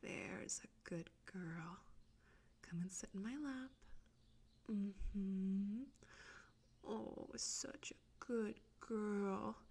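Slow breathy whispering woman. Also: a little high. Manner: soft, coaxing, teasing whisper. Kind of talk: whispered audio roleplay.

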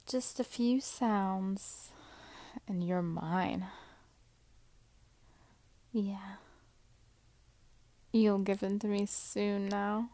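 Woman, intimate roleplay, teasing, frequent whispers, extremely slow delivery, close mic, dry room. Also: mid-range voice, a little mellow, no room sound.

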